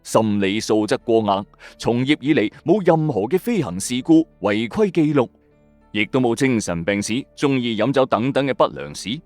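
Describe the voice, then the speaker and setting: A man's voice: medium pitch, no echo. Hong kong cantonese guy hosting spooky mystery tales, dramatic scripted read, voice swings a lot, music underneath. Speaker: storyteller host of a mystery show. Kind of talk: dramatic scripted narration, late-night radio storytelling. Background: background music.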